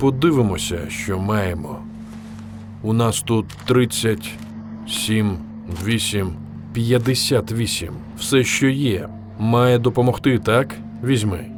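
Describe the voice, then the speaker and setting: Using a put-on character voice at a medium pitch, a man speaks at a fairly slow pace with long, frequent pauses over clear background noise. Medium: fan dub. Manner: gruff, terse.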